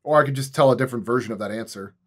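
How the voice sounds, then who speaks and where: Guy sound designer just chatting, mid pitch, kinda halting as he explains stuff. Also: fairly bright tone. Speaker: sound designer on an audio drama, guest. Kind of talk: casual roundtable chat.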